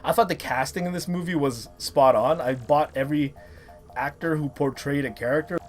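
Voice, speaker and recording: Man, thirties, raised pitch, animated countdown host, casual reviewer, playful hype, light music behind. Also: moderate pace. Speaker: host of a top three video series.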